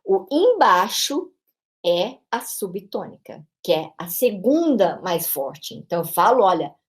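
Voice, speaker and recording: A woman's voice: mid-range voice, sing-song, measured pace. A woman teacher with a São Paulo interior Brazilian accent walks through a pronunciation lesson. Her tone is explanatory and patient, and she keeps checking in with short tag questions. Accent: São Paulo interior Brazilian Portuguese. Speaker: English teacher.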